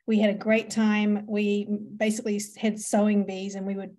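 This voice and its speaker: A New Zealand woman with a warm, medium-pitched voice and little pitch movement speaks at normal speed. A marketing entrepreneur on a podcast, she chats through her business story with frequent ums and laughs.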